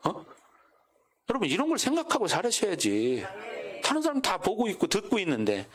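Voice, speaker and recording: A man's voice: sits high, huge pitch swings, fairly quick, a bit bright. A male pastor preaching a sermon in church, asking the congregation one rhetorical question after another and acting out what neighbors might say. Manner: acts out quoted neighbors in his own voice. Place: church sanctuary.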